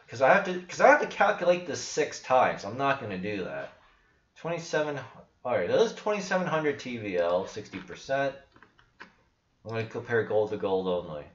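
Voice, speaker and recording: Hosting his crypto channel, a young man talks over a screen share in a medium-pitched, sing-song voice at normal speed, pausing often. He's casual, blunt and skeptical, rambling with restarts, and the small indoor room gives the audio an echoey, dull lo-fi quality.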